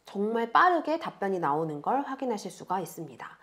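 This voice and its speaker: A woman's voice: medium pitch, very animated, a little fast, a bit bright. A woman instructor patiently walking beginners through a tutorial step by step in a friendly way. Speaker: online instructor. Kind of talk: screen-recorded tutorial narration.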